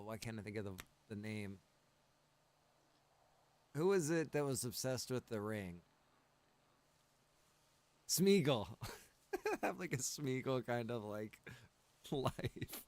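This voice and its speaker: Laid back guy streaming a survival game, slow talker, jokey casual chat, mid pitch. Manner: laid-back, joking, laughs often. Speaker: live streamer playing a survival roleplay game. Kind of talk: casual gaming livestream chat.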